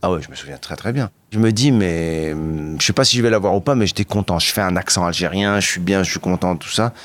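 A middle-aged man as a podcast guest, telling stories in a lively, halting way with bursts of excitement. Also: low voice. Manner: animated storytelling, halting restarts, bursts of excitement. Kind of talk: candid interview talk.

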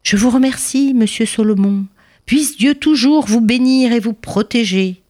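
A woman's voice: on the high side, big pitch swings, slow pace, pitched above the performer's own voice. Woman voicing a placid, wise old rabbi. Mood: grateful. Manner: warm, soft-spoken, placid. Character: calm, wise old rabbi, gentle and cunning.

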